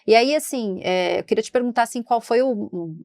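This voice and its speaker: A woman hosting a podcast, a press officer talking in a chatty, expressive way. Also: on the high side, brisk, creaky, no echo, studio quality. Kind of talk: casual interview talk.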